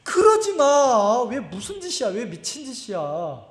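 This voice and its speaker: Preacher guy doing his own inner voice, hushed and chiding, man's, echoey church. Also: very high-pitched, huge pitch swings, a little slow, pitched above the performer's own voice, heavily acted.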